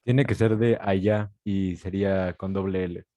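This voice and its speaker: A man's voice: low-pitched, steady tone, moderate pace, mellow. A young man, a student answering the teacher with short, hesitant replies.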